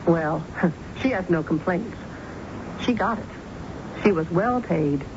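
A woman's voice: expressive, slow pace. Domineering middle-aged American businesswoman, muffled radio. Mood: scornful, commanding. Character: domineering, wounded businesswoman and controlling mother. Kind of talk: 1970s radio drama acting. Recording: muffled, noisy, rumbly old radio broadcast recording.

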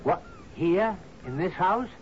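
An actor playing an uneasy, deferential working-class sidekick in a radio drama, guarded and hesitant. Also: male voice, sits high, animated, takes it slowly. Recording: dull, hissy old radio broadcast.

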